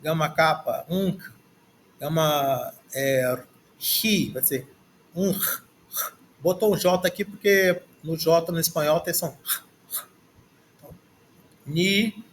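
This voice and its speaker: At his desk in a screen recording, a Brazilian Portuguese-accented man reads through a textbook in a slow, halting language lesson. His slightly high, fairly bright voice moves slowly with frequent pauses over slight background noise, and he says words aloud several times as he figures out how to pronounce them.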